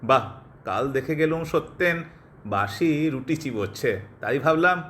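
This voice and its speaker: A man's voice: on the high side, lively intonation, a little slow, fairly bright tone, a little hiss or hum. A man playing a kindly, teasing young doctor and family friend in an audio drama, slipping English words into his speech. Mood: friendly, casual. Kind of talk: Bengali audio drama acting.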